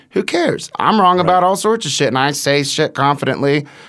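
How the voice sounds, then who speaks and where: A man's normal speaking voice with an American accent and ordinary pitch variation. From Colorado mountains (Eagle County). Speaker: rock guitarist and magazine editor. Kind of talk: casual chat. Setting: studio.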